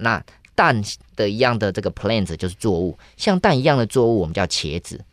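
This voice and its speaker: A man with a normal speaking voice talks at a fairly quick pace, his fairly low pitch rising and falling with lively intonation on a very clean recording with a silent background. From Taiwan, Yilan. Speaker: farmer and market tour guide. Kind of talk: casual interview.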